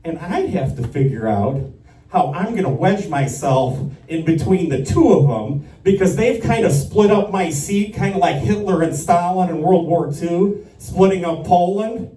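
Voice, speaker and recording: Through an echoey room and a distant mic comes a comedian meandering through sardonic complaints at a live stand-up show. He has a high, mellow, expressive voice and takes his time.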